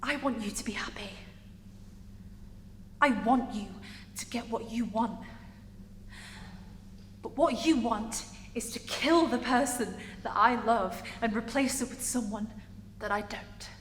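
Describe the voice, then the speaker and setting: Woman acting a slow-spoken, hurt young gay woman, echoey. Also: fairly high pitch, lightly acted. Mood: hurt, pleading. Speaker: acting student. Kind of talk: dramatic theatre monologue. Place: large reverberant indoor room. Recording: echoey hall with background noise.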